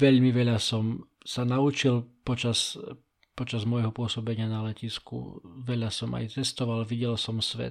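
A man talks at a fairly slow pace with a medium pitch. His intonation is monotone and flat. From eastern Slovakia, Košice region. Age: 30s. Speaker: podcast host, personal development coach. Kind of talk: solo podcast monologue.

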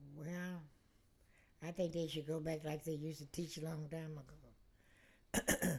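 This woman has a very deep, low pitch and a somewhat breathy sound, with an American accent. She talks at a fairly slow pace in a monotone, flat intonation. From Chicago, South Side. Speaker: grandmother guest. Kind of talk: casual chat.

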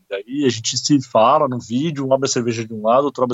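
His intonation stays fairly even. The man talks at a moderate speed. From Brazil. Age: 40s. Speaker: Brazilian expatriate sharing grief story. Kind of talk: interview testimony. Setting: remote connection. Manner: hesitant, many fillers.

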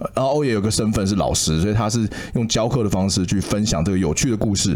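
A man with a fairly low pitch, talking at a very fast pace over noticeable background noise. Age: 40s. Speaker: stand-up comedian. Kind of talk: casual chat.

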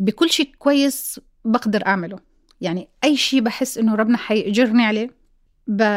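A woman talks at a moderate pace in a fairly high pitch, with an unremarkable speaking voice. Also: ordinary pitch variation. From Kuwait and Jordan. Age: 40s. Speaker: heart transplant recipient. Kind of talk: personal testimony interview.

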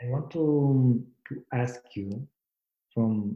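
A man speaks at a medium pitch in a Romanian accent. His voice is somewhat breathy. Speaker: podcast host. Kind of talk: interview. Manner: halting.

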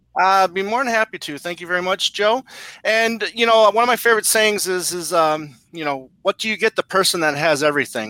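With an American accent, a man projects a raised voice at a high pitch, his bright, sharp tone moving at a fairly quick pace. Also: ordinary pitch variation, dry, close sound with no echo. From Arizona. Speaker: podcast co-host. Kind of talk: casual panel discussion. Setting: video call.

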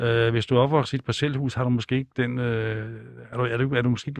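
Against a quiet background, a man with an ordinary speaking voice talks at a moderate pace in a medium pitch with fairly even intonation. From Copenhagen, Vesterbro. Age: 50s. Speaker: author. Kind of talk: interview.

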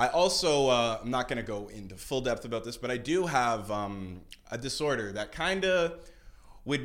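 A man's unremarkable speaking voice at medium pitch, moderate pace and lively intonation. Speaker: podcast producer.

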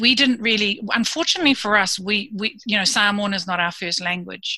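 The speaker is a woman with a medium pitch. Her voice has a bright, sharp tone. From Pacific Islands (Samoa, Fiji). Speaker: community governance leader, former executive director. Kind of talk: casual interview conversation.

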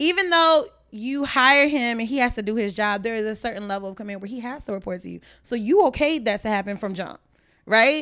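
An unremarkable speaking voice from a woman with an American accent, fairly high in pitch, at a fairly quick pace with lively intonation and big swings in loudness, in a very clean recording with a silent background. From Richmond, Virginia. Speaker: podcaster and media mentor. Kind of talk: casual chat.

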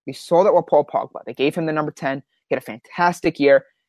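A man talks with a New Jersey accent. His pitch is fairly high. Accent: New Jersey American. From New Jersey, US. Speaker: football journalist. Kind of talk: casual podcast interview.

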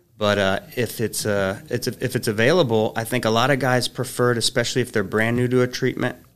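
A man with a normal speaking voice and an American accent talks at a medium pitch and fairly quick pace, with hardly any pauses, fairly even intonation and very even loudness, on a very clean recording with a silent background. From Columbus, Ohio. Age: 40s. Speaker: hormone specialist, Marine veteran. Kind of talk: podcast interview.

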